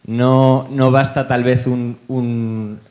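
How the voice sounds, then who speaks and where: A man interviewing on a panel, asking a long question in a measured way while searching for his words. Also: mid-range voice, flat delivery, a little mellow.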